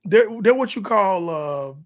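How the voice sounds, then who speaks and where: A man's voice: sits high, animated, unhurried. A man from Texas co-hosting a podcast, chatting casually and giving slangy, opinionated takes on sports. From Texas, United States. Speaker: podcast co-host.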